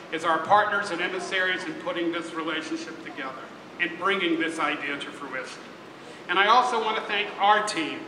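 An older man gives a formal podium speech in an arena. His voice sits high. The hall rings with long reverb and background noise. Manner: formal, thanking partners. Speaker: press conference speaker. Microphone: podium mic.

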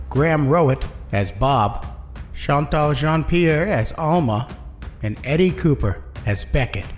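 A man hosts a podcast, reading scripted credits and thanks. His voice is fairly high and very animated in intonation, with music playing quietly behind. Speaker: podcast host and audio engineer.

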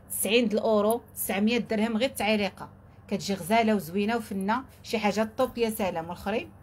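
A woman with a Moroccan accent, pitching jewelry in a repetitive, enthusiastic sales patter. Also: slight background noise. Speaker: jewelry seller.

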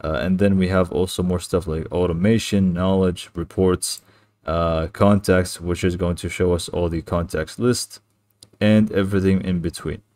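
A man with a low-pitched voice talks through a software tutorial in a casual, unscripted way. His delivery is hesitant and rambling, and the sound is dry, with little room around it. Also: steady tone, normal speed, no echo. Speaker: tutorial presenter. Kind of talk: casual, improvised software walkthrough.

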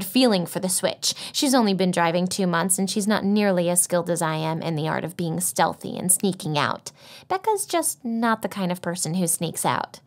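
A young adult woman reading a first-person teen novel, sassy and expressive, with whispered asides. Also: on the low side. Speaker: audiobook narrator.

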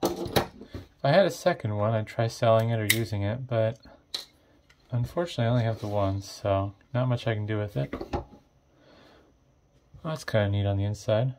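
A man giving casual, off-the-cuff narration of an electronics teardown, thinking aloud in a hesitant, low-key way. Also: moderate pace, pauses often, background noise. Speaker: host of an electronics teardown video.

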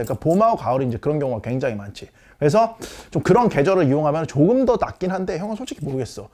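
A man in his thirties gives a dating lesson in a casual big-brother tone that is blunt and swaggering. He talks fast, and his voice swings up and down with animated emphasis. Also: high voice. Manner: blunt, swaggering big-brother tone, peppered with slang and "okay?" checks. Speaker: dating coach. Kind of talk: casual lecture to young men.

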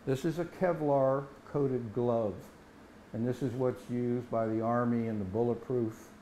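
A man's voice: medium pitch, warm tone, slight background noise. A man in his sixties giving a plain-spoken, explanatory demonstration as a welding instructor, standing indoors in a workshop. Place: indoor workshop set, standing before a tool board.

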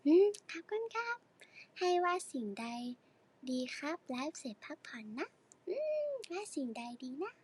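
A woman's voice: sits high, very animated, moderate pace. A teenage girl idol chatting casually on a live stream, giggling and reading fan comments while sore and sitting stiffly.

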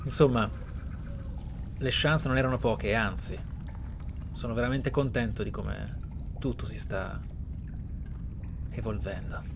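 A man giving dramatic game commentary as a streamer, theatrical and deliberate, with drawn-out phrases. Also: lowish voice, creaky, noisy background. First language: Italian. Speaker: gaming streamer. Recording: faint game ambience behind. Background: video game sounds.

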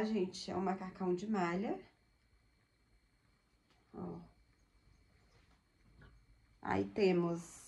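Slow, chatty woman in an echoey room. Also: medium pitch, a little mellow. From Brazil. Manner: chatty, upbeat, many diminutives and "olha só" asides. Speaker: thrift clothing seller. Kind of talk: casual product showcase. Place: small home room indoors.

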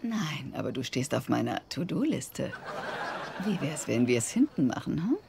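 A woman's voice: a bass voice, big pitch swings, normal speed, vocal fry, heavily acted. An actress playing a blunt, easily exasperated woman in a German-dubbed sitcom, with a dry, frank manner. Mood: brisk. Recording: noisy TV soundtrack with clicks.

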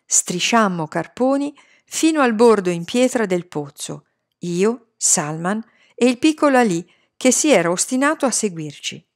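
Lady reading a novel out loud, animated, mid pitch. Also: a little slow. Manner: expressive storytelling, lively pitch. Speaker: audiobook reader. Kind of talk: scripted narration of a novel.

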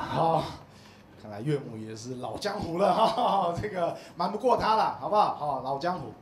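A man in his thirties performing a stand-up comedy set, telling stories in an animated way and acting out the people in them. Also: a little high, moderate pace, hardly any pauses. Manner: animated storytelling, acts out quoted voices. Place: small comedy club stage. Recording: echoey comedy club with faint noise.

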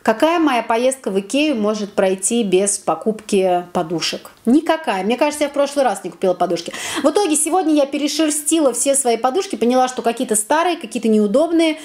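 A young woman chatting in a casual home vlog, lively and self-mocking, talking with her hands in a small bright room. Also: on the high side, brisk. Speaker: home vlogger.

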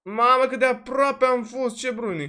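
A man's voice: extremely high pitch, fairly even intonation, sharp tone. A man with a Romanian accent giving casual let's-play commentary, chatty and exclamatory, his voice slightly worn. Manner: chatty, exclaims often, peppers talk with "frate" and "bă". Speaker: gaming video host.

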